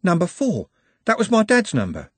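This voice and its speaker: A man acts a young working-class footballer from a storybook, raw and heartfelt. The voice is raised in pitch and slightly husky, with lively swings. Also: moderate pace, no echo, heavily acted. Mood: anxious, moved. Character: emotional, plain-spoken working-class young male footballer.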